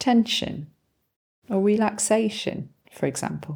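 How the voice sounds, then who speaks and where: Speaking very slowly, a woman uses a dark, mellow tone that is calm and soothing, with medium pitch, vocal fry and lively intonation. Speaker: meditation guide. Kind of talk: guided meditation. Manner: slow, calm, soothing; gentle, with long pauses.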